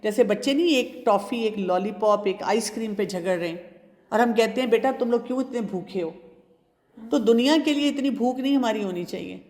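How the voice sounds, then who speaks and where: A woman gives calm, advising talk on parenting and faith, turning to her listeners directly. Her voice carries a long reverb off the hall. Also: a little high. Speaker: speaker answering audience questions.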